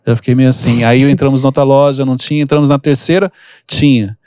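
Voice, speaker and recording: A man's voice: mid-range voice, fairly even intonation, fast, darkish tone, clean tone, dry recording, clean studio sound. A man hosting a podcast, explaining emotional triggers through casual stories and acting out the people in them. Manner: storytelling, acts out quoted people. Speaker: podcast host and mentor. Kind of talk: casual teaching chat.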